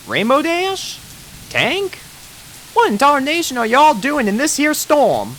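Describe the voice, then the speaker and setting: A man's voice: very high-pitched, huge pitch swings, takes it slowly, fairly bright tone, slight background noise, voice pushed up, heavily acted. A man voicing a kindly, motherly country farm pony mare with a folksy Southern drawl. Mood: surprised. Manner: folksy, drawling, coos baby talk.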